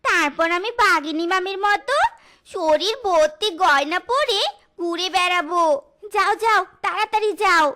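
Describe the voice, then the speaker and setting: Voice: very high-pitched, measured pace, bright, forceful tone, full character voice. A performer voicing a bossy female fox wife who gushes over jewellery in a children's cartoon. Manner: bossy, gushing. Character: bossy, jewellery-loving fox wife, gushing when pleased. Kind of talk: Bengali children's cartoon dub.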